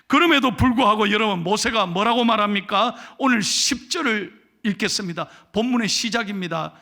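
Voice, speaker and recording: A man preaching a sermon as pastor from a church pulpit, animated and acting out scripture dialogue. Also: high voice, creaky.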